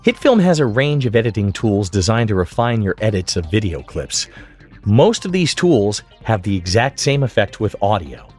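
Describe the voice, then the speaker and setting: Lively-pitched man narrating a software tutorial. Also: normal speed, soft background music. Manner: clear, methodical, step-by-step explanation. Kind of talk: scripted instructional narration over screen demo.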